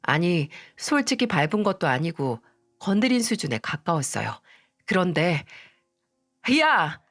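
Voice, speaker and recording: A woman's voice: fairly low pitch, very animated, moderate pace, dry recording. Woman, storyteller, first-person narration, conversational, faint background music. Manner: conversational, recounting.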